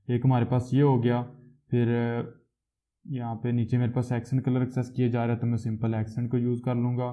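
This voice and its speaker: Man, coding tutor, flat monotone delivery, self-correcting explanations, tinny narrow-band audio. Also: mid-range voice. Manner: explains step by step, with frequent self-corrections and filler sounds. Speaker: programming tutor. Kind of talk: screen-recorded coding tutorial.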